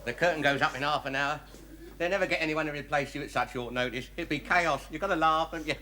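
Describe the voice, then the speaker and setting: An actor playing a cheeky, henpecked suburban husband, in sitcom style, always backpedalling. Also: male voice, on the high side, lightly acted. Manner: sheepish, quick comic backpedalling. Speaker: sitcom character. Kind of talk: 1970s British sitcom acting. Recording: hissy old TV audio with studio laughter.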